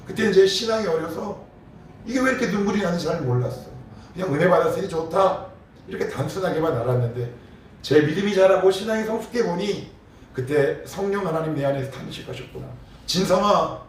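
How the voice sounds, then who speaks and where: A man's voice: high-pitched, expressive, fast. A middle-aged man preaching a morning prayer sermon, asking his congregation questions in a conversational way. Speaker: pastor. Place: church sanctuary. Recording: echoey church from a distance, faint background hum.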